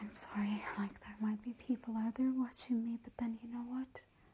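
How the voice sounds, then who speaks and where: A soft-spoken woman, somewhat breathy and gentle in tone, flat and monotone, over light background noise. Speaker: beauty vlogger. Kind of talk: casual makeup tutorial chat. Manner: soft-spoken, close, gentle ASMR voice. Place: home room.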